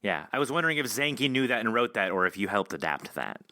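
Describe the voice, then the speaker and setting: A man's voice: lowish voice, sing-song, fast talker, pushed and bright, no echo, clean studio sound. A man hosting a casual interview, curious and friendly, laughing easily as he asks questions. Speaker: interview host.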